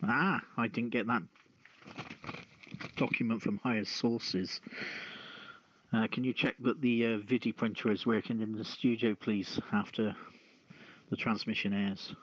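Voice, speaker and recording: Slow, dry-sounding man presenting news. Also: on the low side, fairly even intonation, fairly bright tone, no echo. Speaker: podcast host reading news stories. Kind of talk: casual news commentary mixing reading and chat. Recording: dull, lo-fi streamed audio.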